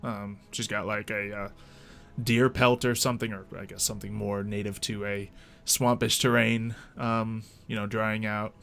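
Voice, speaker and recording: Bright-voiced man narrating as game master. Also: on the low side, little pitch movement, vocal fry, clear, resonant tone. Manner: halting, informal. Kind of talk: improvised tabletop game narration.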